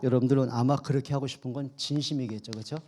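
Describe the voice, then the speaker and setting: A man's voice: mid-range voice, steady tone, very fast, dark tone, slight background noise. A man preaching a Sunday sermon in a church. He asks the congregation questions, answers them himself, and acts out quoted speech in his own voice. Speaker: pastor. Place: church sanctuary.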